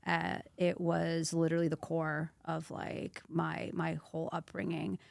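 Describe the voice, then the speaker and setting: A woman with a New York accent, a native Croatian speaker, telling stories in a lively, brash way as a podcast guest. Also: sits low, measured pace, creaky, dry recording. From Astoria, Queens, New York. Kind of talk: casual interview chat.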